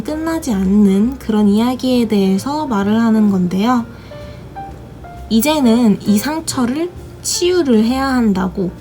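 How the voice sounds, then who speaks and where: A woman with a voice gone hoarse from a sore throat, calmly explaining the meanings of tarot cards for a study video. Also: fairly high pitch.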